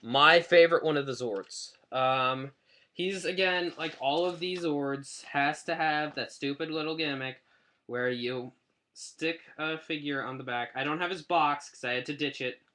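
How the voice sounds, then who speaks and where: A man's voice: a little high, unhurried, sharp tone. A man chatting casually in a rambling, self-deprecating way while reviewing a toy on his webcam at home. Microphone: webcam mic.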